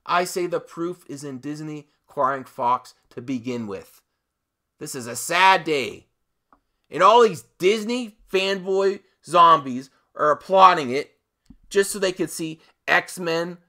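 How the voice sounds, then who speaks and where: A man hosting an opinionated movie commentary, with a very bright, forceful voice pitched a little high. He speaks slowly and emphatically, breaking his points up with dramatic pauses and repeating phrases to drive them in. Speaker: host of a movie commentary channel. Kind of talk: opinionated video commentary rant.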